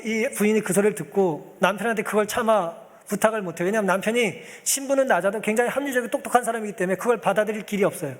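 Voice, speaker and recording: A man's voice: high voice, big-room sound. A male pastor preaching a sermon, telling a story and acting out the pleas of its people as he addresses the congregation.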